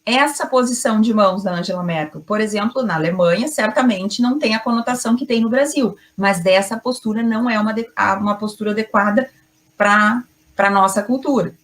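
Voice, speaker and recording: Middle-aged woman, communication coach giving an online lesson, emphatic, mid-pitched, speaks in short measured phrases. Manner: emphatic, addresses the audience directly and often; deliberate pauses between short phrases. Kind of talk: online class lecture.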